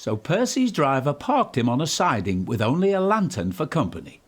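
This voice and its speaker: A man narrating a scripted children's story in an animated, expressive manner. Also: a little high, normal speed, breathy edge.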